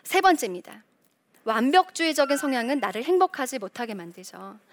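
Animated middle-aged woman giving a faith talk. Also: high-pitched, fairly quick. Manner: animated, acts out quoted voices; frequent rhetorical questions. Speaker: Christian speaker, former reporter. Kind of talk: faith-based motivational talk.

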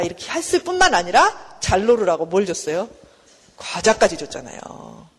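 Lively woman professor lecturing in a reverberant hall. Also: mid-range voice, husky. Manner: lively, acts out mothers and children in quoted voices. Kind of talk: recorded lecture.

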